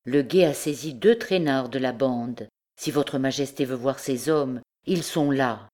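A woman's voice: a bass voice, unhurried, mellow. A woman reading the part of a respectful royal physician reporting to his king, in an audiobook. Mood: deferential. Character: deferential royal physician, courtier.

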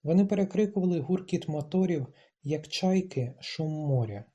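An audiobook narrator reading a literary novel in a measured way, slowing down through the descriptive passages. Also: mid-range voice, lively intonation, mellow, lo-fi sound.

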